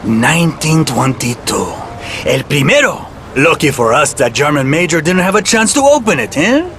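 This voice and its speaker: An actor playing a sly, smooth-talking Spanish black marketeer with a Spanish accent in a video game. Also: male voice, fairly high pitch, very animated, normal speed, fairly bright tone, a little hiss or hum. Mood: pleased, oily. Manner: wheedling salesman's patter peppered with Spanish. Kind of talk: video game cutscene acting.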